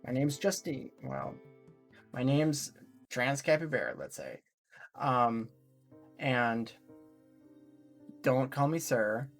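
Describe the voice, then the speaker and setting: A woman chatting casually and personally as a co-host, in a halting, reflective way with frequent pauses. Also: extremely low pitch, animated, soft background music. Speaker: co-host answering audience questions.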